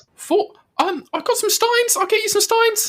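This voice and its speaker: This put-on character voice is squeaky and extremely high in pitch. It moves at a moderate pace. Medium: actual play. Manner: chatty, rambling, stammering.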